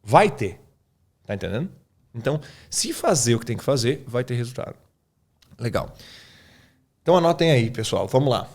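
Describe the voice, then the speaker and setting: A Brazilian English teacher explains his method informally on a podcast, often checking that the listener is following with "tá?" and "cara." His medium-pitched voice is sing-song and darkish in tone, moving at a moderate pace with frequent pauses.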